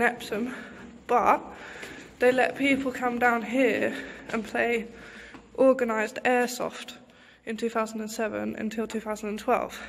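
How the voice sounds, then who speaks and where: Speech comes at a moderate pace over light background noise. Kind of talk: casual vlog commentary. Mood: calm, explanatory. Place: tunnel cave. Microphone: phone near.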